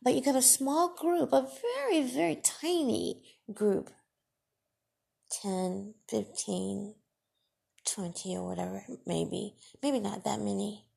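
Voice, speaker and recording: A woman podcast host with Farsi as her first language talks slowly and deliberately. Her voice has a gravelly, husky texture, and she leans on her words with emphatic, scolding weight. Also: medium pitch, expressive, dark tone. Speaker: podcast host and radio broadcaster. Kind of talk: solo podcast monologue.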